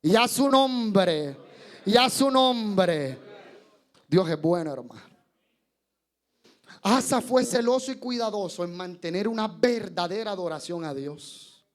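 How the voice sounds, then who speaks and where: A male preacher delivers a sermon in a notably high voice. He speaks at an unhurried pace, drawing the congregation in with questions and little chuckles. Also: animated. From Colombia. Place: church service.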